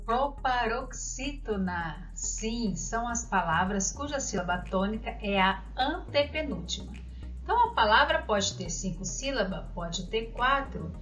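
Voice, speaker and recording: A woman's voice: on the high side, animated, fairly bright tone. A woman teaching a grammar lesson to children, reading out example words and asking questions. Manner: slow, deliberate, spells out examples and asks questions. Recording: dull lo-fi audio with faint music.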